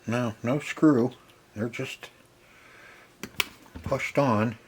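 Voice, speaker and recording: Slow-talking, folksy man at work. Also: medium pitch, a little hiss or hum. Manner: folksy, muttering to himself between short remarks. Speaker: host of a retro repair video channel. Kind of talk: casual narration while doing hands-on repair.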